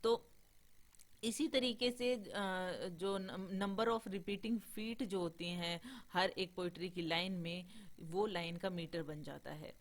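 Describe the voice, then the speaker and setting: Woman lecturer, low-pitched voice, hesitant with fillers, mixes English terms in. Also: fairly even intonation, slow pace. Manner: hesitant, many filler sounds and restarts. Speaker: teacher. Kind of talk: online class lecture.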